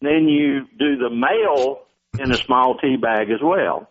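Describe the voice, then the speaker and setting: A man calling a radio show over the phone, chatting casually as he pitches a joking idea. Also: unhurried, slight background noise. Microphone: telephone. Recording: narrow, tinny phone line.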